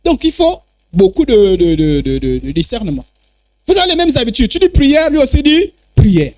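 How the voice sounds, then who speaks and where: A man's voice: very high voice, huge pitch swings, normal speed, a little mellow, no room sound. A man preaching a sermon as an apostle, with emphatic repetition and call-and-response phrasing.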